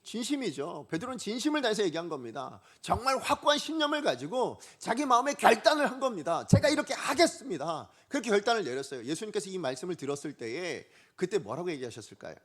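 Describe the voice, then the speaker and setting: A man preaching a Sunday sermon as pastor, lively and full of questions to the congregation. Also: high-pitched, quick pace, few pauses. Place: church sanctuary.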